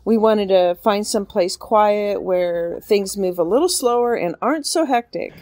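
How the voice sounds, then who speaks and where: A woman's voice: mid-range voice, measured pace, warm tone, dry recording, lightly acted. An actress playing a friendly, talkative mother in a radio drama, polite and a little hesitant.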